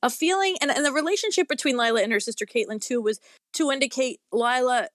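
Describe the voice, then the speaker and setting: Higher-voiced woman, talkative and earnest. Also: fast talker, no room sound, studio quality. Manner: talkative, rambling, earnest, often says "you know" and "like". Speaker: interviewed guest author. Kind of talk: casual interview conversation.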